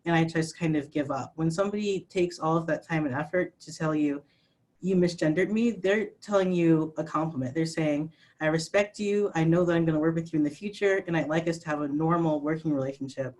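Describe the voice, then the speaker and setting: A trans speaker with a fairly high voice who leads a training and moderates a panel, explaining calmly with frequent "um"s, over a video call. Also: brisk.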